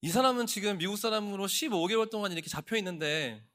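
Guy interpreting a sermon live, fast and lively, bright voice. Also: high-pitched. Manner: quick, expressive, acts out quoted lines.

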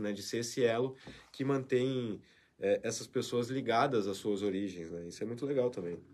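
A male host talks through viewer comments on a live stream. His voice sits at an ordinary middle pitch and has a soft, emotional tone, and he keeps dropping in little tag questions. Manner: emotional, warm farewell talk with frequent "né?".

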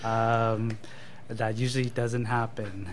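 A marketing manager, born in Thailand to Cambodian parents and raised in Canada, is interviewed as a company guest. He answers thoughtfully and hesitantly, filling in with ums and uhs, his mid-range voice level and slow against crowd noise.

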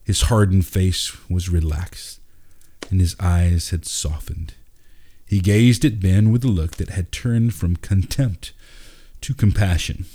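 A man with a husky voice narrating a scripted story as a storyteller. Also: sits low, takes it slowly, dark tone.

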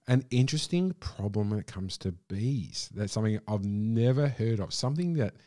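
An Australian man hosts a podcast, his medium-pitched, slightly mellow voice captured in a dry, clean studio sound over a remote call. In an enthusiastic interview, he is effusive and piles on superlatives while introducing and questioning his guest.

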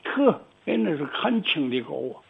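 An older man, telling stories about his own life in a folksy, animated way with many asides to the listener. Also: fairly high pitch, moderate pace, creaky, slightly rough. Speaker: storyteller. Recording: tinny phone-like radio recording.

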